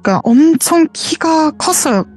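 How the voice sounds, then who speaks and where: A woman's voice: high voice, animated, normal speed, a little mellow, soft background music. Earnest woman caller telling a ghost story. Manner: earnest, detailed retelling with quoted dialogue. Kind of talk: casual spoken storytelling. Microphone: voice call.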